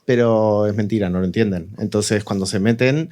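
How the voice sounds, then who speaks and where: A man's voice: on the low side, normal speed, dark tone. A man speaking conversationally as a panelist at a live event, explaining his opinions. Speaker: panelist, audio fiction creator.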